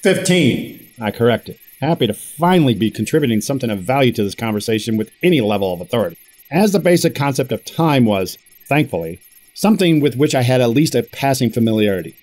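A man plays a put-upon boss telling his own story in an audio drama. His voice sits at a medium pitch, and his delivery is dry and wry. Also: very animated, fast talker, a little mellow, rough recording. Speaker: narrator and character. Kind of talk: first-person audio drama narration and dialogue.

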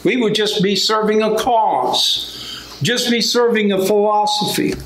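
Slow, high-voiced preacher. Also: male voice, steady tone, a bit bright, slight background noise. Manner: gestures widely and paces behind the pulpit. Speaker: pastor. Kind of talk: sermon. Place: church sanctuary with congregation. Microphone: lectern microphone. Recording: roomy church sound with faint ambience.

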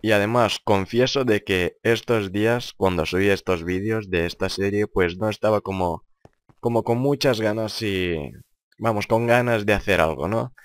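A young man with a low, grave voice talks over his own gameplay. His delivery is serious and unscripted, wandering along and circling back over the same phrases. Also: moderate pace, no echo, studio quality. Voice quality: deep, grave voice. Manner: serious, rambling, repeats himself. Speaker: gaming video creator. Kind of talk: improvised casual gameplay commentary.

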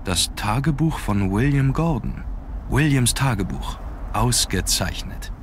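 An actor playing a brooding heir investigating a mystery in an adventure game, speaking in a measured, earnest, dramatic way. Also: male voice, medium pitch, animated, slight background noise. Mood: curious, intent. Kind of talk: scripted adventure game monologue.

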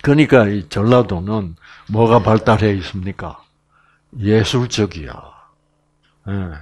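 Speaking with a Gyeongsang Korean accent, this middle-aged man delivers a Bible lecture as a casual string of stories, sprinkled with fillers and side remarks. The voice is gravelly and husky, fairly low, and a little mellow, and his pace stays measured.

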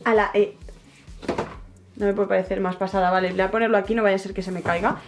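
A young woman excitedly chatting through an unboxing, gushing and repeating herself as she squeals with delight. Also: mid-range voice, racing, slight background noise. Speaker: book and collectibles vlogger. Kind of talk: excited casual unboxing chat.

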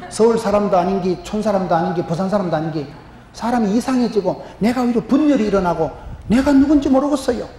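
A middle-aged pastor from Gyeongsangbuk-do, Korea, preaches quickly in a strong Gyeongsang dialect, emphatic and humorous, gesturing a lot and often dropping low for punchlines. He's on a large church stage with a chalkboard, using a handheld microphone. The recording has roomy hall reverb and faint noise.

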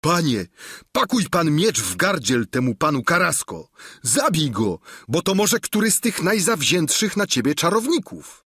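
A man voicing a blunt, excitable peasant squire who speaks in loud exclamations in an audiobook. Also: medium pitch, unhurried, few pauses, slightly rough, dry recording, clean studio sound, voice pushed up, heavily acted. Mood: excited.

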